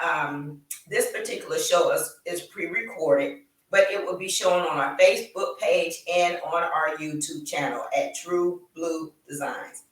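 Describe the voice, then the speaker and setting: A woman's voice: low-pitched, a bit bright, recorded from a distance. A woman hosting an interview show, reading a scripted welcome and then prompting her guest in a chatty way. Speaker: talk show host. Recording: roomy echo, away from the mic.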